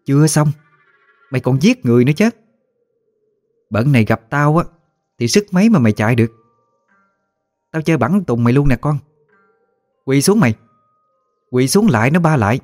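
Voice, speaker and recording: A man's voice: medium pitch, expressive, moderate pace, long pauses, darkish tone, faint music behind, voice pushed up, close to an everyday voice. A man voicing a fierce, foul-mouthed old woman ghost who scolds coarsely. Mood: furious.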